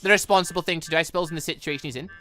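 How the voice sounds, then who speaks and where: A gaming channel host giving excited, rambling, exclamatory playthrough commentary, thinking aloud into a close microphone. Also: mid-range voice, racing, faint music behind.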